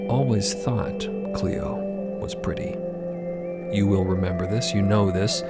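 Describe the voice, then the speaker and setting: A man narrates audio fiction at a very slow, deliberate pace, his hushed phrases broken by pauses. His voice has a creaky grain, and music plays prominently underneath. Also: on the low side.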